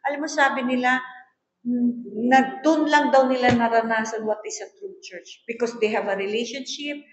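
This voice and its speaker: A woman's voice: on the high side, normal speed. Woman pastor preaching in an echoey room. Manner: mixes Tagalog and English, tells stories and acts out quoted voices. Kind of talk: sermon. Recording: echoey room, dull lo-fi sound.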